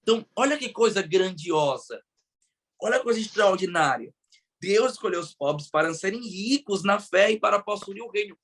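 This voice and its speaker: A man's voice: high-pitched, lively intonation, moderate pace, a bit bright, husky. A man hosting a Bible study podcast discussion, speaking with enthusiastic, preacherly emphasis and a Brazilian Portuguese accent. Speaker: podcast host.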